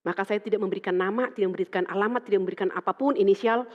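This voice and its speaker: A middle-aged woman pastor from Indonesia, preaching through lively stories and acting out the dialogue in quoted voices. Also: medium pitch, very fast. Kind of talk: sermon with storytelling. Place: church hall. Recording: dull sound with long church reverb.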